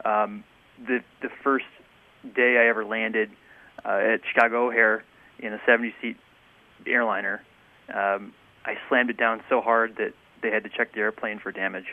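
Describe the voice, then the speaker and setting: A man's voice: on the low side, little pitch movement, normal speed. A man calling in to a talk show, an airline pilot who talks casually and hesitantly, with many ums and restarts, over a telephone. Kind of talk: casual call-in chat. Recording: tinny phone line.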